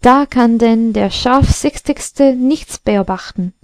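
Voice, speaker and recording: A woman's voice: on the high side, slow, darkish tone, no echo. A woman voicing a proud, snobbish talking sofa in a storybook reading.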